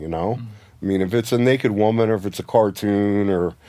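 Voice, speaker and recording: Against a quiet background, a man with an American accent speaks fairly quickly in a fairly low pitch, his tone dark and mellow and his intonation fairly even. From US Northeast, New Jersey. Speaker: record producer; interviewee. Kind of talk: interview. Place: studio.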